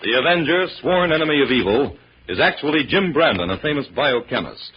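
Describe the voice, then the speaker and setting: A man's voice: medium pitch, big pitch swings, brisk, music in the background. Dramatic male announcer, muffled vintage radio. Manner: dramatic, declamatory. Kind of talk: 1940s radio mystery narration, scripted. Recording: muffled, hissy old radio recording.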